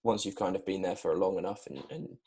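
Young male co-host, lowish voice, easygoing and halting, chatting over a video call. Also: mellow. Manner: easygoing, hesitant with fillers. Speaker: podcast co-host.

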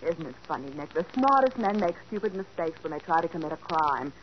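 An inquisitive young detective's assistant in a 1940s radio drama. Her voice is lively, rising and falling as she eagerly questions everything. It comes through a dull old broadcast with a faint hiss. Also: low voice, brisk.

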